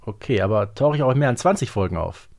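A man's voice: on the low side, lively intonation, fast talker, a little mellow. A man from the Ruhr area co-hosting a podcast, chatting casually and playing a guessing game. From Ruhr area, Germany. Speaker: podcast co-host. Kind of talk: casual chat, quiz game banter.

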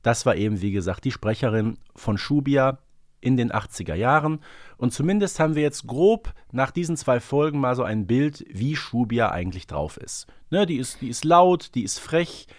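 Casting: male podcast co-host, mid-range voice, thinking aloud in relaxed fan discussion, no room echo. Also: medium pitch, normal speed, clean studio sound. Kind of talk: casual fan discussion, analytical chat.

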